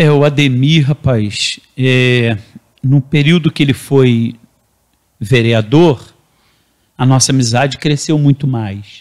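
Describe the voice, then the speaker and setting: Speaking at a very slow pace with long, frequent pauses, a man keeps a medium pitch and fairly even intonation. His loudness stays very even over a quiet background. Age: 50s. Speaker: city councillor. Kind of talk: interview. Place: studio. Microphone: handheld.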